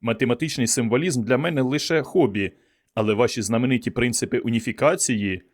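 A man voicing an earnest, excitable young doctor who speaks with fervent conviction. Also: mid-range voice, fast talker, natural voice. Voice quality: fervent, emphatic.

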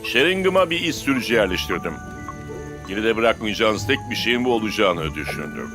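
A man voicing a calm, commanding adult football coach in a cartoon dub. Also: lowish voice, a little fast, music in the background. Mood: steady. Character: dry, steady adult male football coach.

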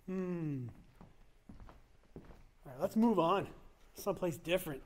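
A middle-aged man casually talking viewers through an abandoned school as he walks, calling them guys in low-key asides, on a handheld camera mic. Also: slow pace, darkish tone. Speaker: urban explorer vlogger. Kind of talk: casual walkthrough commentary. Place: empty abandoned school, large indoor halls and rooms.

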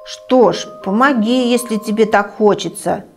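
A proud little pencil from a bedtime story grumbles and sulks when teased, putting on a gruff front, as a woman reading the tale voices him. Faint music plays softly behind. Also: medium pitch, a little slow, lightly acted. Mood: grumbling. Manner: grumbling, sulky.

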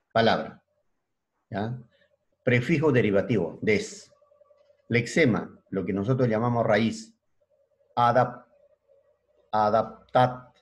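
A man teaching a secondary school language class, explaining slowly, restarting words and checking understanding with frequent short questions. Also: lowish voice, darkish tone. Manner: spells out word forms slowly, restarts words. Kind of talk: classroom lecture.

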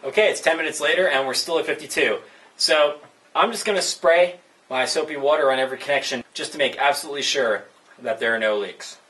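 A young man narrating a hands-on plumbing demonstration, explaining each step in a relaxed, casual way with fillers. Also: medium pitch, brisk. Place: indoors in a tire-walled building under construction.

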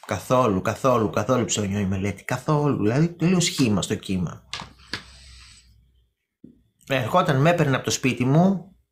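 A woman's voice: extremely low pitch, expressive, long pauses. A woman hosting a casual live stream, chatting and gossiping with her viewers, calling them by name and repeating words for emphasis.

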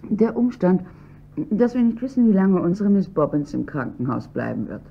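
An actress playing a wealthy wife who speaks slowly, reluctant and cool, in a radio drama. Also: female voice, medium pitch, big pitch swings, gravelly. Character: wealthy wife, wary and displeased. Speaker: wife of a businessman. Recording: dull lo-fi recording, faint hiss.

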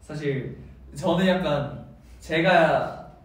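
A man's voice: fairly high pitch, very slow. A young man from the Daegu area chatting and teasing with his group on a live stream. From Daegu area, South Korea. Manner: teasing, laughing, animated. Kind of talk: casual group chat. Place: meeting room, indoors. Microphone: far camera. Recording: very echoey room from far off.

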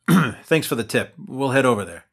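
A man's voice: mid-range voice, animated, a little slow, creaky. A young man narrating his character's story in a tabletop game. His delivery is dry and a little exasperated. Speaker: player narrating as main character.

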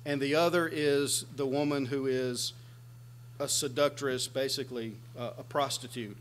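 A U.S. man in his forties preaches a sermon in a small church room, earnestly explaining scripture and gesturing as he speaks. His mid-range voice is a bit bright, with a faint background hum in the recording.

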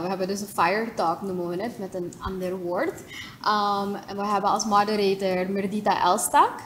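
Casting: young woman, Surinamese accent, casual organiser interviewed in a studio, slight background noise. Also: medium pitch. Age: young adult. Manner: informal, mixes English words into speech. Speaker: guest, event organiser. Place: TV studio, seated at desk.

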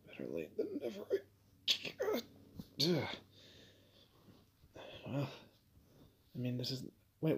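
A man playing a weary, wry kidnapped guy in a roleplay audio drama, speaking haltingly and conversationally. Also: medium pitch, vocal fry, slightly rough, exaggerated voice. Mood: wry, resigned. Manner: hesitant, halting, sardonic.

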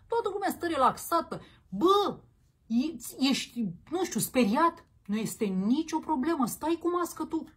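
A woman's voice: high-pitched, very animated, a bit bright. A woman hosting a political commentary show, ranting in a combative, crude and mocking way. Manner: combative, crude and mocking, peppered with slang address.

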